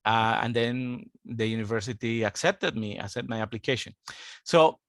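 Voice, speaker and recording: A man's voice: mid-range voice, moderate pace, dry recording. Man in his fifties, dry sound. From Colombia. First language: Spanish. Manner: earnest, steady, explanatory. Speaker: guest, international student advisor. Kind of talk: interview, telling his life story.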